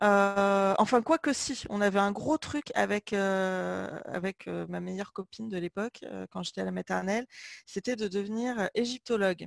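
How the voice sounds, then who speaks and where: In a very clean recording with a silent background, a woman speaks at a fairly slow pace, the sound dry and close with no echo. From France, Limoges. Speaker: entrepreneur coach. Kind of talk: interview, casual chat. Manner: halting.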